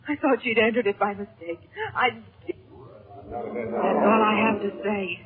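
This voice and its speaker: A woman's voice: medium pitch, slow, over a noisy crowd, natural voice. An actress playing a frightened, earnest white woman held captive, in a melodramatic 1930s radio serial style. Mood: desperate pleading. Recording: scratchy, muffled 1930s radio recording.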